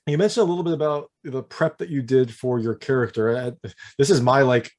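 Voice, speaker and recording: An American man hosting a casual interview, chatty and quick to laugh. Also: mid-range voice, a little mellow. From United States. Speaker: interviewer host.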